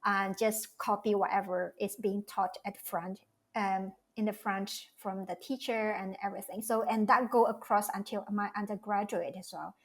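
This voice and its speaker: This Malaysian woman, a cultural strategist appearing as a guest in a casual interview, speaks at normal speed in a mid-range voice with fairly even intonation. She's reflective, often restarting phrases as she thinks aloud.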